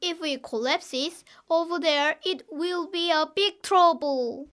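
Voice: extremely high pitch, slow pace, a bit bright, exaggerated voice. A performer playing an earnest, anxious little kindergarten child in a children's storybook audiobook. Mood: worried.

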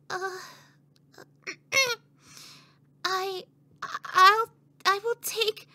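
A woman voicing a high, stammering young prince. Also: pushed and bright, full character voice. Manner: halting, stammering, full of fillers and restarts. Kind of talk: voice acting audition.

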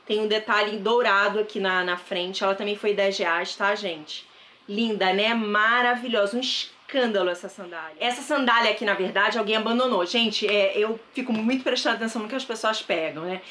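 Speaking to her viewers in a casual haul vlog, this woman in her thirties has a Brazilian Portuguese accent and a medium-pitched voice that's bright and forceful. Her pace is moderate and her manner enthusiastic. The thrift vlogger records on a close camera mic in an indoor bedroom with a wardrobe.

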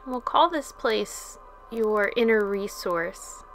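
A woman guides a relaxation practice in a calm, soothing voice at a medium pitch. She speaks very slowly, leaving long pauses between phrases as a yoga instructor would. Music plays clearly behind her. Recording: soft music under the voice.

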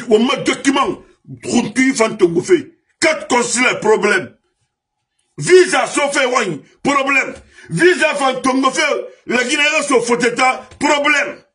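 A man from Guinea with a high, husky voice holds forth in an impassioned political monologue. He speaks as a diaspora commentator and drives his complaints home with repeated refrains. His voice often climbs into shouts. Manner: heated, rising to shouts, lists grievances with repeated refrains.

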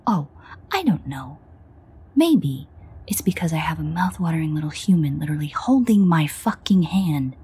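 A woman playing a sardonic, exasperated vampire in an audio roleplay, grumbling and swearing in a husky near-whisper. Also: deep voice, sing-song, normal speed, mellow, heavily acted. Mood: weary, grumbling. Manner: sarcastic, profane, grumbling. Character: sardonic, exasperated female vampire, reluctant ally. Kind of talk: audio roleplay addressed to the listener.

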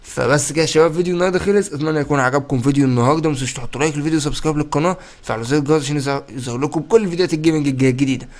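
Talking fast in a voice on the high side, a man with an Egyptian Arabic accent gives casual gameplay commentary for his YouTube gaming channel. He is playful and chatty, speaking directly to viewers.

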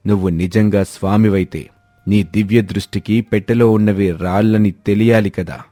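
A man's voice: fairly low pitch, fairly even intonation, moderate pace, dark tone, no room sound, lightly acted. A man playing a shrewd, stern village landlord in a moral story, speaking in a grave, commanding manner. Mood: grave, reproving. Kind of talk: scripted animated moral-story dialogue. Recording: background music under the voice.

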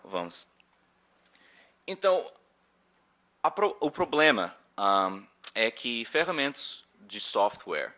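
A man in his thirties with an American accent, giving a conference talk in a hall at a table microphone, halting and searching for words with self-deprecating humor. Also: on the low side, sharp tone. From born in Rio, raised in Chicago. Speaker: conference speaker. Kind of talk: conference presentation.

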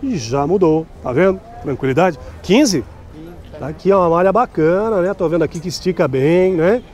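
A man's voice: high voice, lively intonation, moderate pace, a little mellow. A middle-aged man, vlogging a tour of a street market at night and chattily promoting clothes and prices. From Brazil. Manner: chatty and promotional, keeps asking vendors prices. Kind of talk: upbeat sales walkthrough.

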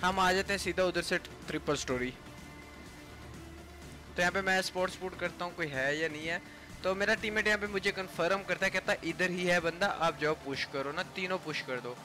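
A man's voice: high-pitched, normal speed. A man giving casual, explanatory gameplay commentary, retelling what was said between players. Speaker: gaming YouTuber. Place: voice-over over mobile game footage. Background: music.

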